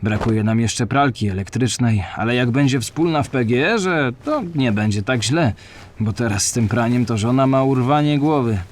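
A man's voice: medium pitch, expressive, normal speed, a little hiss or hum, lightly acted. A man playing a contented married farm worker, reading his diary aloud in a plain, earnest way. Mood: plain, homely.

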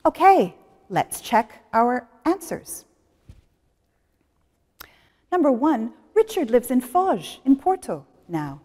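A middle-aged woman teaches an English class from a studio. She speaks slowly, with a lively rise and fall in her voice. A long reverb trails after her words. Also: on the high side. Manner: slow, clear and expressive, guiding students through exercises. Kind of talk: classroom lesson presentation. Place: studio in front of a plain wall.

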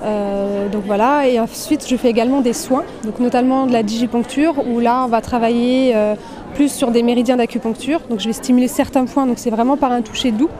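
A woman's voice: fairly high pitch, steady tone, fairly quick. A woman slimming coach explaining her sessions in an interview, fluent with light fillers. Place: busy exhibition hall. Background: crowd chatter.

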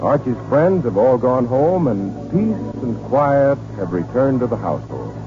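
A man's voice: medium pitch, sing-song, unhurried. Old time american radio announcer guy, muffled recording, music behind him. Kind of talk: scripted 1940s radio announcing.

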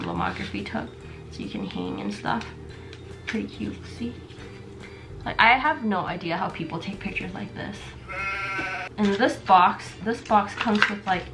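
A woman in her twenties vlogs from a small indoor bedroom with camera shelves, unboxing the gifts she received. She's sick, with a stuffy nose and a fading voice, so her medium-pitched speech has vocal fry and lots of fillers as she chats to the camera. The audio quality is poor.

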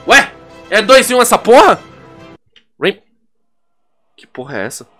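A young man with a Brazilian Portuguese accent giving excitable, profane let's play commentary, yelling at the game as he plays. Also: sits high, unhurried, soft background music. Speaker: gaming YouTuber.

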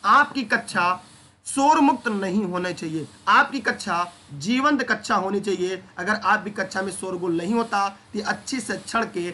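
Bright-voiced man teaching an online class. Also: sits high, normal speed, slight background noise. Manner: lively, asks the class questions directly. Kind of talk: online exam-prep lecture.

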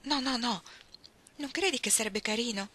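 Woman reading as pleading tomboy Iggy. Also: moderate pace. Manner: insistent, coaxing, higher and louder than narration. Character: tomboyish girl Iggy, impish, pleading, teasing.

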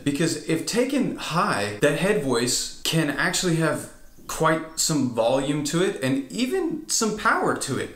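A man's voice: medium pitch, a bit bright. Man coaching singing in a roomy room. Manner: explanatory, breaks into sung whoops and slides. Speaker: vocal coach. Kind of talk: singing lesson with vocal demonstrations. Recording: roomy echo.

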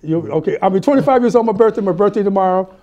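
A middle-aged man with a high, mellow voice hosts a laid-back studio talk show. He laughs a lot, stumbles and repeats himself as he chats with his guest. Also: very fast, lo-fi sound. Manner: animated, laughs often, stammers and repeats words. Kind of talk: casual interview chat. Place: small studio set with city backdrop, indoors.

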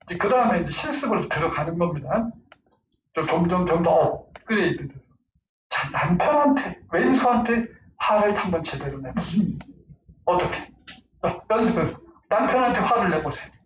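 Animated high-voiced man lecturing. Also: normal speed. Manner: animated, laughing, acts out angry outbursts. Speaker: parenting lecturer. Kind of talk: lively lecture with role-play examples. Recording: far-off roomy lo-fi lecture recording with faint noise.

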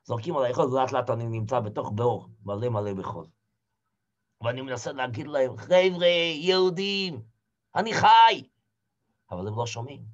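An actor playing a shipwrecked old Hasid, telling his story in the first person and swinging from hushed murmurs to shouted cries. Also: medium pitch, expressive, natural voice. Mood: dramatic. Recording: dull lo-fi recording.

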